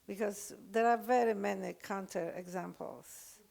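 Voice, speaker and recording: An older woman with a Polish accent, lecturing unscripted, halting often with fillers and restarts. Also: medium pitch, creaky, a little mellow. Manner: hesitant, many fillers and restarts.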